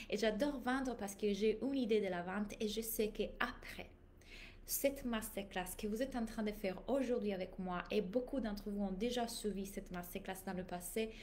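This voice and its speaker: A woman speaks with an Italian accent at a fairly high pitch. Room echo is audible. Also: moderate pace. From Italy. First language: Italian (speaking French). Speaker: business coach. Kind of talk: live webinar masterclass. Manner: animated.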